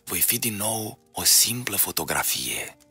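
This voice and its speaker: A man's voice: fairly low pitch, sing-song, sharp tone, husky, faint music behind, heavily acted. A man voicing a solemn, magical woman in white who gives guidance in a storybook.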